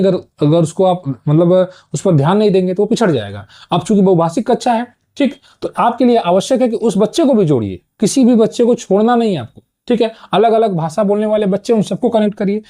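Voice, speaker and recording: A man teaching an online exam-prep lecture, explaining points and checking in with quick "okay"s, mixing English terms into his talk. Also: sits high, dark tone.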